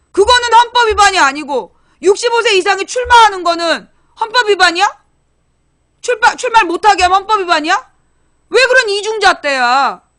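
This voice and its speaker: A woman's extremely high, bright, sharp voice with lively intonation, a moderate pace, and long, frequent pauses. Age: 40s. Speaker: political commentator. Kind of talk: political commentary monologue. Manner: casual, conversational.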